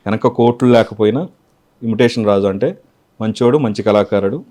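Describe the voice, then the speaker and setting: A man, a mimicry artist, giving calm, reflective interview answers. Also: fairly low pitch, moderate pace.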